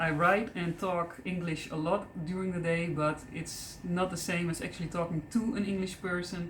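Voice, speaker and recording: A woman with a Dutch accent, amid audible room echo and noticeable background noise. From Netherlands. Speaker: vlogger. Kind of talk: personal vlog. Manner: hesitant, searching for words.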